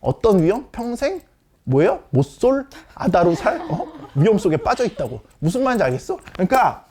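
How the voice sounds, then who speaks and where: A man's voice: sits high, sing-song, moderate pace, a little mellow, slight background noise. A man in his thirties lecturing as a dating coach, blunt and swaggering like a big brother, constantly checking with "okay?". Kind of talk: casual lecture to young men.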